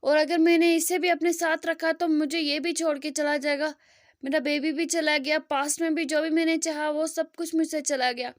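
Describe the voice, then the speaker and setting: A woman's voice: high voice, dry recording, clean studio sound, close to an everyday voice. Woman voicing a hurt, bitter young man. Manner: bitter, curt. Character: hurt, despairing young man pushing his partner away.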